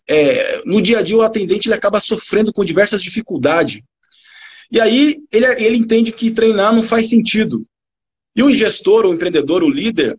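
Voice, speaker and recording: Husky high-voiced Brazilian trainer. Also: male voice. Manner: earnest, repeats key words for emphasis. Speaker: customer service trainer. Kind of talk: direct-to-camera coaching talk.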